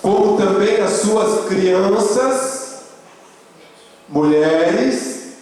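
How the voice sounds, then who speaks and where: A Brazilian pastor preaches slowly and emphatically, repeating his refrains. His fairly high voice rings through a big church hall with a long, echoing tail. He stretches each phrase out for the congregation. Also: lively intonation, a little mellow. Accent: Brazilian Portuguese. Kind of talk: sermon. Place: church sanctuary.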